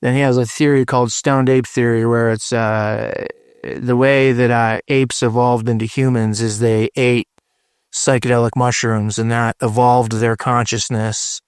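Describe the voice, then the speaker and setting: A middle-aged man speaks as a podcast guest with a smooth, resonant voice, recorded dry and close. He talks in an emphatic, profane, motivational way, stacking short commands and never letting the energy drop. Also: medium pitch, little pitch movement, measured pace, dry recording. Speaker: guest, branding strategist. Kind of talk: casual podcast interview.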